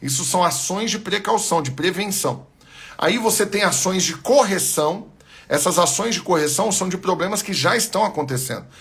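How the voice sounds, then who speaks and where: Through noticeable background noise, a man with a high voice talks at a moderate pace. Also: ordinary pitch variation. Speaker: pastor and business mentor. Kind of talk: live online business class with preaching. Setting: livestream. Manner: animated.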